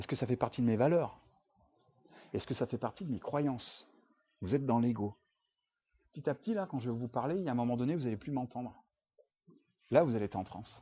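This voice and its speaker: The speaker sounds somewhat breathy and moves at a fairly quick pace, with long, frequent pauses. Loudness swings widely while pitch varies in an ordinary way. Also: man, medium pitch for a man. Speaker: hypnotherapist and coach. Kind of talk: public hypnosis workshop talk. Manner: fast.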